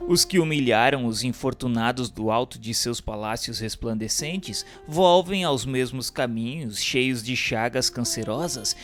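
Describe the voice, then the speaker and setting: A man with a Brazilian accent giving a solemn, formal, declamatory scripted narration of a religious text. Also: mid-range voice. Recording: music bed under the voice.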